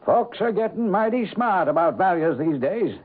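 An actor playing a folksy, sly small-town real estate agent with a New England accent in a radio drama. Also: male voice, high voice, animated, moderate pace, husky. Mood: folksy, reluctant. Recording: tinny old radio broadcast.

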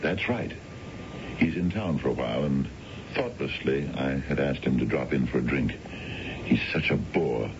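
An actor playing a middle-aged businessman husband in a 1970s radio drama, formal, hesitant and smoothly evasive as he makes excuses. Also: normal speed. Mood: condescending. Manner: formal, hesitant, self-important. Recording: dull, noisy old radio broadcast with rumble.

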